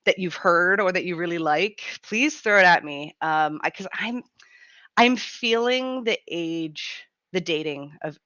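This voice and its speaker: Woman, thirties, raspy from a cold, chatty with lots of fillers, dry slightly muffled sound. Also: lowish voice, fairly bright tone, no echo. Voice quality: raspy, grumbly. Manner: chatty, laughs often, many fillers. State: has a cold, gruff throat. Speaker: radio show host. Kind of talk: casual live-stream chat.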